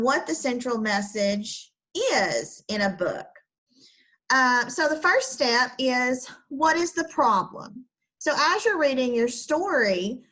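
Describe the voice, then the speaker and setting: A woman's voice: high-pitched, fairly bright tone, rough recording. A woman teacher explaining a lesson step by step to children, then reading a picture book aloud.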